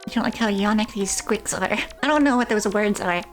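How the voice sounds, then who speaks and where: A woman's voice: mid-range voice, moderate pace. A woman streaming a game, casually commenting and reading on-screen poems aloud. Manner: reads in-game poems aloud, chats to chat. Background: game music and insect sounds.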